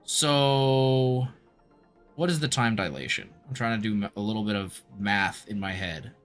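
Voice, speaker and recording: VTuber-style streamer, female: deep for a woman, highly animated, chatty, slangy, casual reactions. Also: a little slow. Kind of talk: casual live gameplay reactions and chat. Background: game music.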